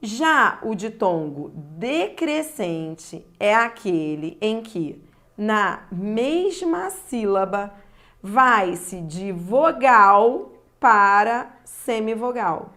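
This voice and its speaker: A woman's voice: mid-range voice, very animated, bright, forceful tone. A Brazilian woman teaching a grammar lesson, stretching key words and speaking straight to the viewer. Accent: Brazilian Portuguese. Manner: slow and deliberate, stretching key words, addressing the viewer directly.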